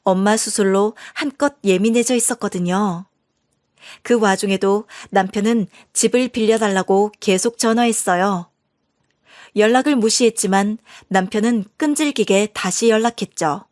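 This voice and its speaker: A woman's voice: mid-range voice, moderate pace, a little mellow, no echo, clean studio sound. A young adult woman narrating a family story in an earnest, emotional way. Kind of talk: scripted narration.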